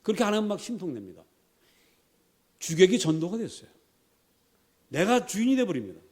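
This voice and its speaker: A man's voice: high-pitched, very animated, fairly quick, darkish tone. A man preaching a sermon in a church, dramatic and emphatic, acting out quotations as he goes. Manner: dramatic, acts out quotations, rising to emphatic peaks. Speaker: pastor. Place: church sanctuary.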